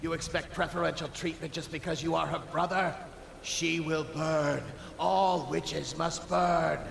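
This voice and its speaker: A man's voice: a little high, steady tone, a little slow, creaky, a bit bright, echoey room, exaggerated voice. A man acting as a stern, condemning religious zealot who hunts witches in a video game, over heavy noise. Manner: severe, condemning.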